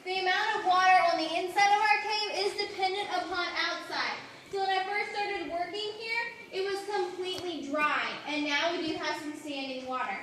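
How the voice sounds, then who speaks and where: A woman's voice: very high-pitched, normal speed, few pauses, bright, forceful tone, slight background noise. A woman working as a cave tour guide, talking instructively and familiarly to her group with cave echo around her voice. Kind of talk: guided tour talk with quiz questions to visitors. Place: inside an echoey show cave. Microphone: camera mic at a distance. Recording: echoing cave, distant mic, chattering visitors.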